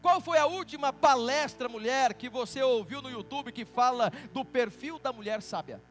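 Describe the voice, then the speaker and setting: Brazilian pastor guy, really high voice, joking around with the church, some soft music behind. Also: normal speed. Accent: Brazilian Portuguese. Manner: animated, teasing the congregation with call-and-response. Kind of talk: sermon.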